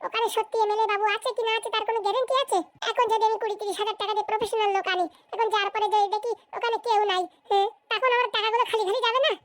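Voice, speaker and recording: A shrill, bossy Bengali village schemer. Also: female voice, fairly even intonation, rapid-fire, hardly any pauses. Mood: scheming, boastful. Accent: rural Bengali. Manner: scolding, threatening, blustering. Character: bossy, foul-tempered, scheming village woman with political ambitions. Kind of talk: comic cartoon voice acting, colloquial dialect.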